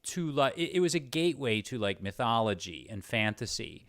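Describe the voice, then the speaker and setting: Halting male interviewer, mid-pitched and dry. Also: big pitch swings, a bit bright, dry recording. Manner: hesitant, halting, rephrases questions often. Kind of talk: casual conversational interview.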